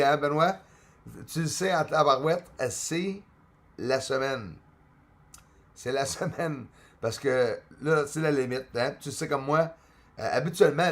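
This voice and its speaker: A middle-aged man from Quebec hosts a relaxed live stream, greeting viewers and reading their comments aloud. He speaks with a Québécois French accent in a voice of ordinary male pitch, and laughs easily between remarks. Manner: chatty, laughs often, switches between English and French.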